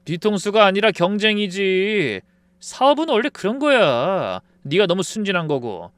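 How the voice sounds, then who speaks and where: Man playing a brazen scheming friend, high and shrill, taunting, very lively swings, dry sound. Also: a little slow, no room sound, full character voice. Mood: smug. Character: smug scheming male friend, middle-aged.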